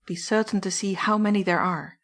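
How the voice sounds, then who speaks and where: A woman's voice: medium pitch, a little fast, a bit bright, lightly acted. Woman reading a curt commanding man. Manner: curt, firm.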